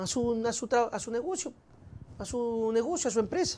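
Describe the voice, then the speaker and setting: A man's voice sits at an extremely high pitch and makes very wide pitch swings. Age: 30s. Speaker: political commentator host. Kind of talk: news commentary reading articles aloud. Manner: casual, conversational. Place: studio. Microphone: lapel.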